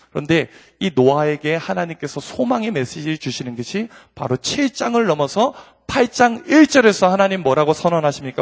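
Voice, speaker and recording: A middle-aged man preaching from the pulpit with a gravelly, rough-edged voice that sits fairly high. His delivery swells into emphatic peaks and asks the congregation to repeat after him. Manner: preaching with rising emphasis and call-and-response. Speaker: pastor. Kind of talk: sermon.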